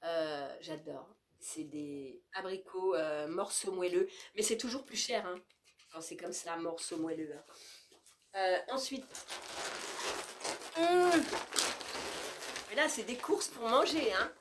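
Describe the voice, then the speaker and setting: A woman's voice: fairly low pitch, expressive, slow, pauses often, a little hiss or hum. A woman in her fifties chatting casually to camera about her groceries, a little stuffy with a cold, cooing to her cat now and then. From France. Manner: chatty and playful, coos and baby talk to her cat. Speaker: vlogger. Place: bedroom with leafy wallpaper, indoors. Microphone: camera in front at close range.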